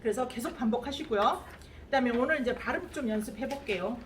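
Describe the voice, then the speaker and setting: Higher-voiced woman teaching a lively class. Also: fast talker, a little hiss or hum. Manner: lively, models sounds and has the class repeat. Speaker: English pronunciation teacher. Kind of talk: classroom lecture with drills. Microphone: distant room mic. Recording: echoey classroom from far off, class audible.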